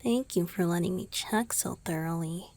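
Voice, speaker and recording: A woman voicing a gentle, teasing, affectionate young male vampire boyfriend in a breathy, intimate ASMR roleplay. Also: on the low side, close to an everyday voice. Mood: playful reassurance. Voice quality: breathy, mostly whispered. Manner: slow, intimate, soothing, softly teasing.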